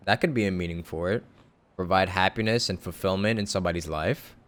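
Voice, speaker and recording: A man's voice: low voice, fairly quick, a bit bright. A man streaming a video game live, talking casually and thinking aloud. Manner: casual, laid-back, thinking aloud with hums and laughs. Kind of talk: live gameplay commentary.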